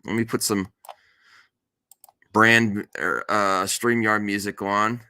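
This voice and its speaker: A man streamer talking slowly and offhandedly to himself as he sets up. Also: lowish voice, steady tone, bright, forceful tone, clear, resonant tone, no echo, clean studio sound. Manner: slow, offhand muttering while setting up.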